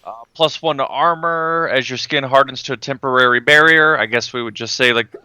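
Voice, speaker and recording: A man's voice: mid-range voice, a little fast, pushed and bright, smooth, no echo. A man playing a tabletop role-playing game, describing his moves in casual, playful table talk.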